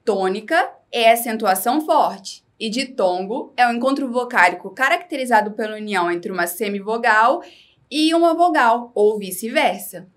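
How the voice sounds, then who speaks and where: A Brazilian woman teaching a scripted lesson, speaking slowly and clearly in an instructive way. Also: a little high. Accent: Brazilian Portuguese. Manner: slow, clear, instructive delivery.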